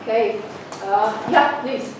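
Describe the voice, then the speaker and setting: A woman from northern Slovenia gives a seminar lecture, pausing often on filler sounds and inviting the audience to answer her questions. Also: fairly high pitch. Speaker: guest lecturer. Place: lecture room. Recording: very echoey room, mic far off, noisy.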